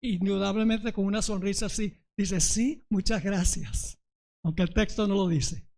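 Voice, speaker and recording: A man's voice: sits high, fairly even intonation, a little fast, gravelly, a little mellow. A male pastor giving a sermon, often checking whether the congregation understands and retelling a parable dramatically. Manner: preaching, often asking the congregation if they understand.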